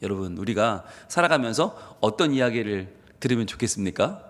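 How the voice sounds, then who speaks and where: A man's voice: fairly low pitch, animated, brisk. A man preaching an early-morning sermon as pastor, asking his congregation questions as he goes. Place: church sanctuary. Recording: long church reverb.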